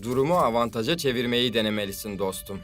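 A man voicing a laid-back, skeptical footballer in a dubbed cartoon, relaxed and wry. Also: mid-range voice, fast talker, faint music behind, natural voice.

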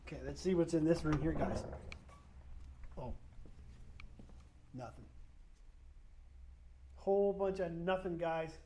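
A middle-aged man with a fairly high, mellow voice chats casually to his viewers while exploring an empty school building. He keeps up easy, low-key running commentary, recorded on a handheld camera mic as he walks. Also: steady tone, slow pace, long pauses, a little hiss or hum. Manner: chatty, addresses viewers as guys, low-key asides. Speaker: urban explorer vlogger. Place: empty abandoned school, large indoor halls and rooms.

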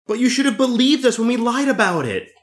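A man's voice: lively intonation, fairly quick, crowd noise. An actor playing a childlike, simple-minded young man, goofy and eager. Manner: goofy and eager, big leaps in pitch.

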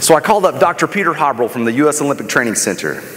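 Loud music plays behind a middle-aged American keynote speaker who races along in a fairly high voice with lively intonation. He tells motivational stories on a large indoor auditorium stage in an emphatic, dramatic, conversational style, and the echoey hall carries noticeable background noise.

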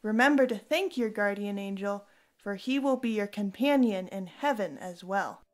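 A woman playing a devout, gentle Roman Christian wife in an audio drama, instructive and assured. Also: medium pitch, moderate pace, lightly acted. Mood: reassuring.

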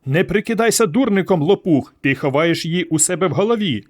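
A man voicing a gruff, bullying male police sergeant who threatens and insults. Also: sits high, animated, a little fast, voice pushed up. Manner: loud, rude, threatening.

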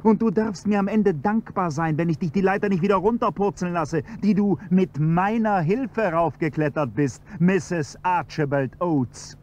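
An actor playing an insolent blackmailing chauffeur, a fallen gentleman, in a radio play, sneering and mocking. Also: sits high, a little slow, hardly any pauses, muffled recording.

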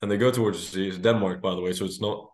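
A teenage man from Greece on a video call from a small room, his somewhat low voice carrying a roomy echo. He talks in lively bursts, restarting phrases and breaking into laughter. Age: teens. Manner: animated, quick, full of restarts and laughter. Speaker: guest singer. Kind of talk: casual video-call interview.

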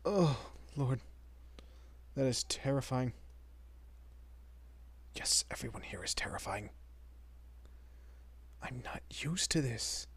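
A shy young vampire dad, acted out by a man, in a romantic roleplay audio. He talks slowly and softly in a husky, breathy mid-range voice. He stammers and hesitates nervously, often sinking close to a whisper. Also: medium pitch, lively intonation, full character voice. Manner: hesitant, stammering, soft-spoken.

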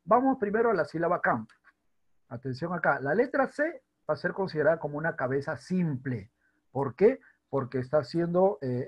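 Male teacher, husky, fairly high voice; recorded lesson, keeps asking if you're following; dull lo-fi sound. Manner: checks in often with rhetorical questions; spells out words slowly by syllable. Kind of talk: recorded online grammar lesson.

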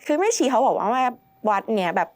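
A young woman recounts a ghost story as an interview guest. She speaks quickly and politely, and her pitch swings widely. She copies every noise she describes with repeated sound words. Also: sing-song, darkish tone. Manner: polite, with frequent ค่ะ particles.

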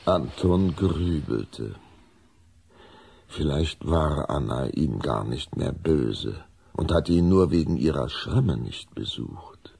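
A man with a gravelly voice narrating a children's audio drama in scripted storybook style. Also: very deep voice, animated, slow, dark tone.

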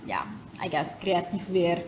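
A woman's voice: on the low side, big pitch swings, moderate pace, noisy background. A young adult woman with a Surinamese accent giving casual interview answers as an event organiser, slipping English words in. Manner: informal, mixes English words into speech. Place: TV studio, seated at desk.

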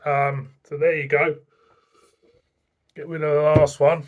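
A man's voice: fairly high pitch, little pitch movement, unhurried, lo-fi sound. A middle-aged man reviewing a beer to camera in a casual, rambling, plain-spoken way, recorded in a small room at home.

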